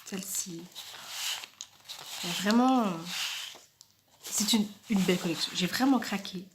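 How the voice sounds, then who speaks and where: A chatty woman presents craft supplies in a relaxed home video, her voice sitting at an ordinary middle pitch. She talks with easy enthusiasm and often drops to quiet asides as she handles the products. A faint hiss of noise sits under the recording. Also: unhurried. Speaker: independent crafting product demonstrator. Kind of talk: casual product presentation vlog.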